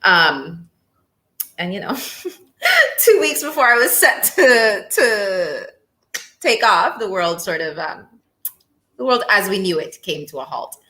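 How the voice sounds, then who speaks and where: A woman's voice: medium pitch, very animated, slow, pauses often, bright, forceful tone, roomy sound. A young woman being interviewed, talking candidly and animatedly, laughing often. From Cape Verde and Mozambique heritage, raised in Ethiopia. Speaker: empowerment coach guest. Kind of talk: casual interview conversation.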